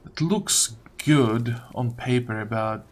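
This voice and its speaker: A man's voice: medium pitch, takes it slowly. A man giving casual video game commentary, grumbling and thinking aloud as he plays. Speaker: gaming video host.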